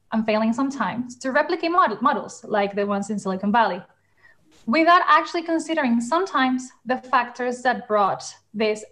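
A woman's voice: on the high side, fairly bright tone. A young woman hosting a panel over a video call, upbeat and enthusiastic, with frequent fillers. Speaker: panel moderator. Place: home room, in England.

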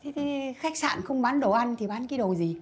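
A woman's voice: on the high side, normal speed, natural voice. An actress playing a stubborn, bossy old grandmother, grumbling and scolding as she talks. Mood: indignant. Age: older. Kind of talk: TV drama acting.

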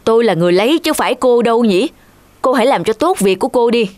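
A woman's voice: a little high, expressive, quick pace, noisy background, close to an everyday voice. A woman voicing a kindly but stubborn female cook in a folktale cartoon, with a breezy, homely, insistent manner. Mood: dismissive.

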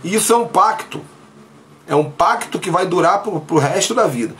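A pastor sick with covid and isolating preaches on a livestream from a small bedroom at home, filmed on a phone camera held at arm's length. His high-sitting voice is animated and a bit bright at normal speed, and he's emphatic, gesturing broadly and addressing viewers directly. Slight background noise is present.

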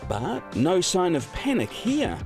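A man's voice: sits high, huge pitch swings, slow pace. A man with a New Zealand accent, a TV reporter reading scripted feature narration. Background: music.

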